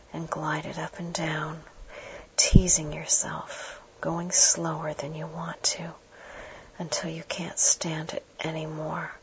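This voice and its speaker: A woman performs a whispered role-play, intimate and hushed, as if right in the listener's ear, instructing the listener directly. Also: low voice. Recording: dull muffled audio with clear background noise.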